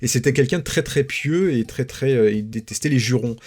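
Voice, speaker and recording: A man co-hosting a film review podcast, speaking quickly at a mid pitch. He strings anecdotes together and often restarts his phrases. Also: darkish tone. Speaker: podcast co-host.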